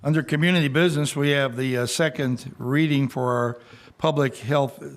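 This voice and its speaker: A man's voice: medium pitch, steady tone, normal speed. An American man presiding as county judge over a local government meeting in a formal, procedural way.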